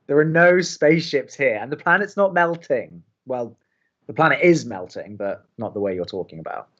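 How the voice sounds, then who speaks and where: A man's voice: mid-range voice, animated, moderate pace, fairly bright tone, dull audio. A young man acting as a sarcastic, easily exasperated college radio co-host in an audio romantic comedy. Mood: exasperated, baffled. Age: young adult. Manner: dry, sarcastic.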